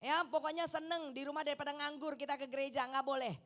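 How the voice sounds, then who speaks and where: Animated high-voiced East Javanese woman preacher. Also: fast talker. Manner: animated, mixes in Javanese, coaxes the congregation to say amen. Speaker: evangelist preacher. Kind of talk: lively sermon. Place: church hall.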